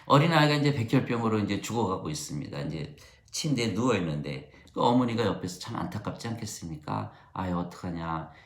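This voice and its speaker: A man's voice: on the low side, animated, fast talker, roomy sound. A middle-aged man preaching a sermon, telling stories and acting out the voices of the people in them. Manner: storytelling, acting out quoted voices.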